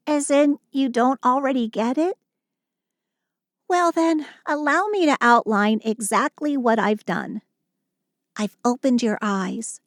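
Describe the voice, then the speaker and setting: A woman's voice: high-pitched, dry recording, clean studio sound. A woman voicing a sweet but sulky Christmas elf who vents to a partner in a dramatic, sardonic yet affectionate scripted audio roleplay. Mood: glum, guilty.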